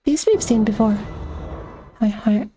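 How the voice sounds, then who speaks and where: A woman's voice: a little high, animated, a little slow, warm tone, faint music behind. A young woman streamer chatting casually as she plays, thinking aloud about missions and thanking subscribers. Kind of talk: casual gameplay commentary.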